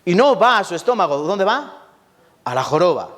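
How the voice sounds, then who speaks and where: Lively Spanish pastor preaching with repetition. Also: male voice, high voice, moderate pace. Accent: Spain Spanish. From Spain. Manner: lively, repeats words for emphasis, asks the congregation questions, laughs often. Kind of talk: sermon. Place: church.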